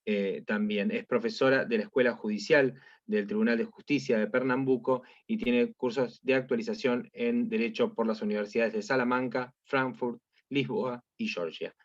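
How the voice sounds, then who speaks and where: A man's voice: medium pitch, steady tone, moderate pace, hardly any pauses, no room sound. A man moderating an academic online panel, introducing speakers in a wordy way full of fillers and restarts. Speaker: event moderator. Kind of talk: formal introductions. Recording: dull, dry video-call audio.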